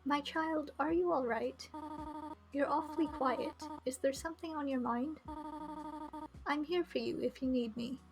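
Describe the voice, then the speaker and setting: A woman voicing a gentle, protective monster mother from a visual novel, tender and halting. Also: sits high. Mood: tender concern.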